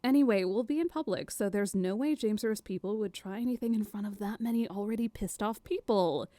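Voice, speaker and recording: A woman playing a bold, impulsive young fugitive in an audio drama, brisk and sarcastic. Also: medium pitch, dark tone, no room sound, lightly acted. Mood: brash, confident.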